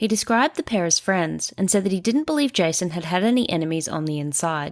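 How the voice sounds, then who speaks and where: Lively intonation at a fairly quick pace with an Australian accent, on a very clean recording with a silent background. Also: woman. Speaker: true crime podcaster. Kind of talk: scripted narration.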